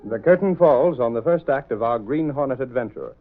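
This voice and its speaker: A man's voice: mid-range voice, animated, brisk, soft background music. A male announcer narrating a 1930s radio drama in a dramatic, declamatory way, on a scratchy, narrow old recording.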